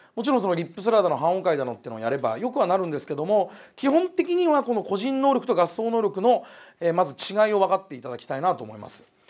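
Over a quiet background, the speaker goes very fast, with big swings in loudness and very wide pitch swings. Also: man, high pitch for a man. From Fukushima, Japan. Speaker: middle school band teacher, seminar lecturer. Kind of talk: lecture. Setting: seminar with audience. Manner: filler-heavy, conversational. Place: meeting room. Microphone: handheld.

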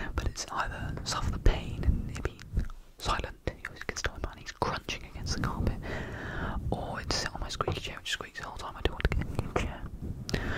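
Whispering, a man goes at a fairly quick pace. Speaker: ASMR content creator. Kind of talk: casual talk to camera. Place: home room. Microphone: studio mic.

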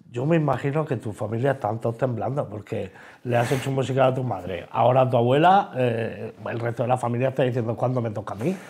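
Hardly pausing, a man talks at a fairly quick pace in a somewhat breathy voice with a dark, mellow tone. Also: ordinary pitch variation. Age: 40s. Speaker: interviewer. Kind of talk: interview. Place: studio. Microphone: lapel.

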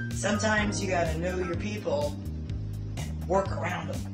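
Clear music plays behind a woman who speaks at a fairly slow pace. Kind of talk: casual cooking tutorial chat. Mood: playful, joking. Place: kitchen. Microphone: camera far.

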